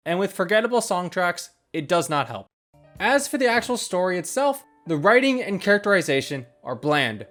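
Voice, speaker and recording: Animated higher-voiced man reviewing over music. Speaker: video game reviewer. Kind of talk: scripted review narration. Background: ambient background game music.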